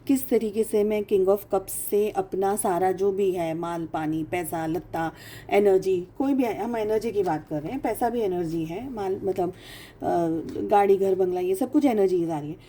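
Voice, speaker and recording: In a warm, mid-range voice, a woman gives a casual tarot reading, and there's a little hiss or hum in the background. She speaks emphatically, repeating phrases for stress and slipping English phrases into her talk.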